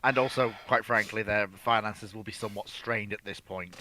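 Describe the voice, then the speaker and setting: A man speaking as a panelist in a live discussion, measured and wry, with many qualifiers. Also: on the low side, fairly even intonation, pushed and bright. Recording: clear background noise, clicks.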